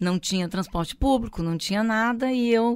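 Here is a normal speaking voice at a fairly quick pace. The recording is very clean, with a silent background. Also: woman. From Brazil, São Paulo state. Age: 60s. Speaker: epidemiology professor. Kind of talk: interview.

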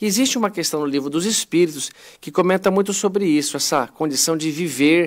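Lively intonation marks a normal speaking voice at a moderate pace on a very clean recording with a silent background. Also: man. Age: 40s. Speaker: spiritist lecturer. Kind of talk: lecture. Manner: warm, gentle.

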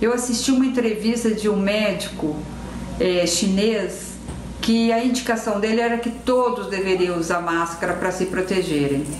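Amid light background noise and audible room echo, a woman speaks at a moderate pace and medium pitch with ordinary pitch variation and very even loudness. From Santa Luzia, Minas Gerais; Minas Gerais. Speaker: charity campaign organizer. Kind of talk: interview. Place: home room. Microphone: webcam.

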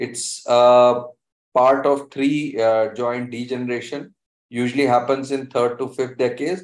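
A man's monotone, flat delivery at a fairly slow pace, with audible room echo. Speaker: presenter. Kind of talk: lecture. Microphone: video call.

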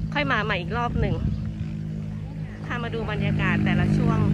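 Loud background noise with a dry sound with no echo. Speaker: vlogger. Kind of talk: casual vlog chat. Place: open country. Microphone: phone near.

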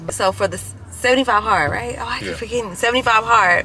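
A woman's voice at a moderate pace, dry and echo-free, with music playing behind it. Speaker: vlogger. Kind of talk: casual vlog chat. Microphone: phone near.

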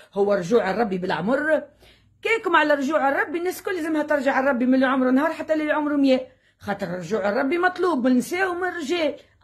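A woman with a Tunisian accent speaks very fast at a high pitch, her animated tone marked by very wide pitch swings. The background is quiet. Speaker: online advice commentator. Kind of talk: advice monologue to camera. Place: home room. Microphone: phone near.

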